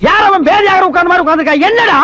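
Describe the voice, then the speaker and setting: A man's voice: very high voice, very fast, pushed and bright, no echo. A man in a film comedy scene, scolding and mocking others with sarcastic insults. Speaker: comic film character at a wedding. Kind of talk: 1990s Tamil film comedy acting. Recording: dull lo-fi film soundtrack.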